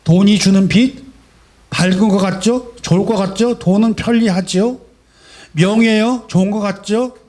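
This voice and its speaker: A male pastor preaching a sermon, asking rhetorical questions and swinging between soft and loud emphasis. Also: high-pitched, steady tone, unhurried. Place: church sanctuary.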